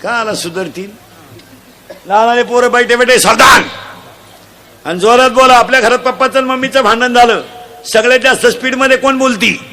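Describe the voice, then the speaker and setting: Loud, bright-voiced kirtan preacher man. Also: very high-pitched, moderate pace, pauses often. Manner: loud, quizzing children in the crowd, mocking. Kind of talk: humorous devotional sermon.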